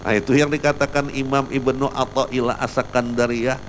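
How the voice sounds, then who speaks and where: A man's voice: mid-range voice, little pitch movement, moderate pace, a little hiss or hum, rough recording. A man giving a religious lecture, emphatic and repetitive as he tells everyday anecdotes. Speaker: preacher.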